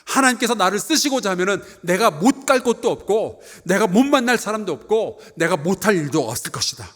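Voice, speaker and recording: A man's voice: high-pitched, expressive, brisk, fairly bright tone, long reverb tail. A middle-aged male pastor preaching a sermon in a church, earnest, with rhetorical questions and repeated phrases. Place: church sanctuary.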